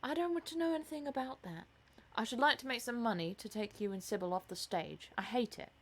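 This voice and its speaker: A woman's voice: a little high, brisk, voice pushed up. Woman acting a blunt, grumbling young lad. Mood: blunt, resentful. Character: gruff, good-natured, clumsy working lad. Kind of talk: audiobook character voice.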